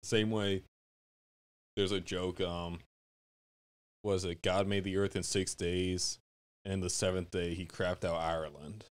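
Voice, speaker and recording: Super low voiced guy from connecticut, chill and jokey, says like a lot. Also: flat delivery, a little slow, long pauses, clear, resonant tone, no room sound. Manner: laid-back, joking, lots of "like". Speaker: podcast guest. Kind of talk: casual podcast chat. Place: podcast studio.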